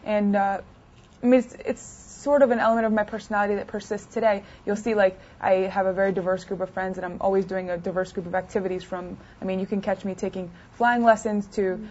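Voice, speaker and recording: A woman's voice: medium pitch, little pitch movement, quick pace, darkish tone. A young woman in her twenties, raised in the United States and France, answering interview questions in a chatty way with many fillers and restarts. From United States, partly raised in France. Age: 20s. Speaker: interview guest, poker player. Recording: dull lo-fi sound.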